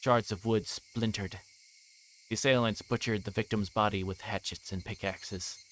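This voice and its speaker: A man's voice: on the low side, steady tone, moderate pace, a bit bright, slight background noise, rough recording. A man livestreaming a visual novel, reading the text aloud and sometimes stumbling and correcting himself.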